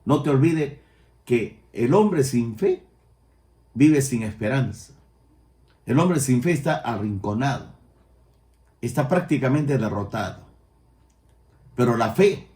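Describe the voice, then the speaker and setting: Emphatic older Peruvian pastor preaching. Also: male voice, medium pitch, roomy sound. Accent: Peruvian Spanish. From Peru. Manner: emphatic preaching, rising loud on key points. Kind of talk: sermon.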